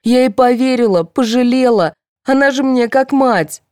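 A woman voicing a desperate young woman on trial, pleading and sobbing in a shrill, frantic voice. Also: steady tone, moderate pace, darkish tone, dry recording, studio quality, lightly acted. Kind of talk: audiobook character voice.

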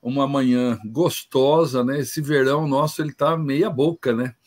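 A man's voice: medium pitch, fairly even intonation, moderate pace. A man from Brazil co-hosting a talk show in a chatty way, often repeating words while he searches for them. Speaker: co-host. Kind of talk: casual chat.

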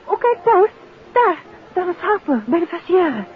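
An actress playing a detective's observant, well-mannered wife in a 1950s Dutch radio play, polite and inquisitive. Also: female voice, very high-pitched, very animated, measured pace, slight background noise, full character voice. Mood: curious. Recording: tinny old radio, chatter behind.

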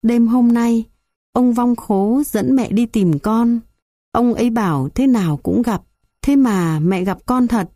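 A woman's voice: on the high side, slow, dark tone, no echo, studio quality, voice pushed up. A woman doing a dazed, pleading old village woman.

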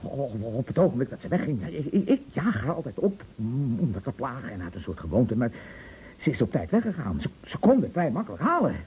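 A man's voice: medium pitch, big pitch swings, a little fast, darkish tone, husky. An actor playing an anxious, bookish bedridden man in a Dutch radio play, agitated and stammering, repeating his words. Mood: distraught. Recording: muffled old radio play recording.

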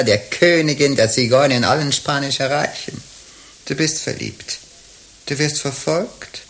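An actress playing a sly, earthy older Gypsy procuress queen in a radio drama, gravelly, teasing and theatrical. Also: extremely low pitch. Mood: teasing, soothing.

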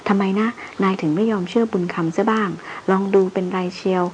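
A woman's voice: mid-range voice, fairly even intonation, brisk, darkish tone, slight background noise, natural voice, rough recording. A woman reading the lines of an old male jungle tracker who is superstitious, earnest and pleading.

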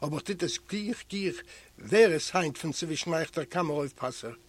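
A man reading aloud voices a warm, fatherly prison guard who speaks gently and a little louder than the narration. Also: fairly high pitch, moderate pace, natural voice. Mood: kindly.

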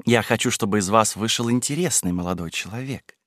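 A man's voice: on the low side, fairly quick, no echo, clean studio sound, natural voice. A man reading aloud and voicing a chattering, flighty young society wife of twenty-one who bosses a boy around. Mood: eager, bossy. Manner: chattering, excitable, bossy.

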